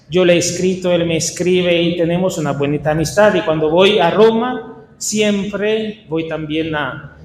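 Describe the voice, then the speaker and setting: A priest with an Italian accent gives a workshop in a high, light voice. He speaks unhurriedly and pauses to restart his phrases. The sound rings with a long reverb through a large hall, with a faint hum of room noise beneath. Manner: unhurried, halting, with small restarts and filler. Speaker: Franciscan priest leading a catechist workshop. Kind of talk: workshop talk to catechists. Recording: echoey hall with faint ambience.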